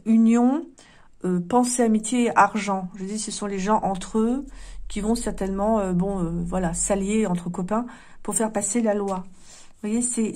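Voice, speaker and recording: A woman's voice: medium pitch, a little mellow. A woman doing a card reading, thinking aloud with many fillers and restarts and talking straight to her viewers. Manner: musing, talks straight to viewers. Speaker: card reader. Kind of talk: casual card reading to camera.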